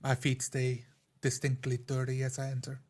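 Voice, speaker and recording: Flat, monotone male roleplayer. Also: medium pitch, moderate pace. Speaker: tabletop game player. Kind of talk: in-character action description in first person.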